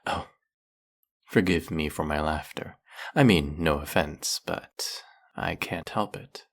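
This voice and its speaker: Guy voicing a snakey villain, super low and slow, mocking and silky. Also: full character voice. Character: suave snake-headed male villain, teasing and curious. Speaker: voice actor. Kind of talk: audio roleplay.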